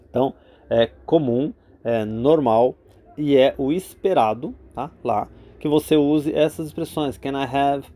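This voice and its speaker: A man's voice: medium pitch, mellow. A Brazilian man with a Brazilian Portuguese accent, teaching English vocabulary in a casual spoken lesson, full of fillers and repeated "tá?" check-ins.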